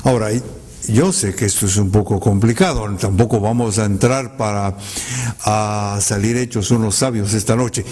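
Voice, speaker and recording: A man whose first language is a Mayan language, giving a thoughtful talk to an audience in a library as a guest poet. He speaks in a measured way, with polite asides and some hesitant pauses. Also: fairly low pitch, fairly even intonation, a little mellow. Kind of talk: reflective commented poetry talk. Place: public library hall. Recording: reverberant hall sound.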